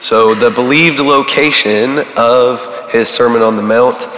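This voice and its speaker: A man, a church volunteer giving a casual teaching to a recovery group, halting with many fillers while he is losing his voice. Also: mid-range voice, a bit bright. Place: large church hall. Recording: echoey hall with long reverb.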